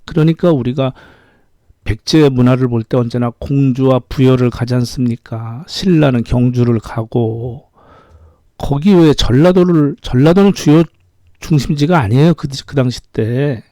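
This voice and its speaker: A man's voice: medium pitch, normal speed, warm tone, dry recording. A middle-aged man giving an opinionated political monologue as a commentator. He talks indignantly and keeps firing rhetorical questions.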